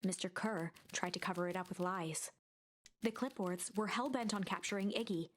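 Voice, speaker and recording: A woman's voice: fairly low pitch, normal speed, slight background noise, close to an everyday voice. A woman performing as the storyteller of a mystery adventure game, reading scripted narration in a storybook style. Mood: measured, dramatic.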